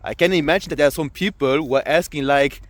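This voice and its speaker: A young man from Luxembourg with a Luxembourgish accent, chatting casually to camera, often repeating himself and filling pauses with "I mean" and "yeah". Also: a little high. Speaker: language vlogger. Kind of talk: casual vlog talk to camera.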